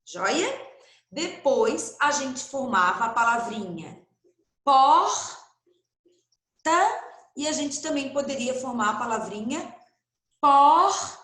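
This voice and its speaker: A woman's voice: on the high side, animated, a little slow, sharp tone, echoey room. A woman with a Brazilian Portuguese accent, teaching first graders in a recorded online class, patient and stretching words out for young children.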